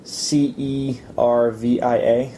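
A young man answering interview questions in a casual, halting way, with many fillers and restarts. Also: medium pitch, little pitch movement, mellow, slight background noise.

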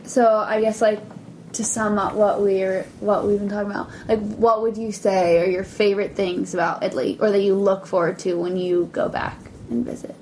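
A woman's voice: medium pitch, level tone, normal speed, darkish tone, a little hiss or hum, rough recording. A woman interviewing casually, curious and loose, with many fillers in her questions. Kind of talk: casual chat.

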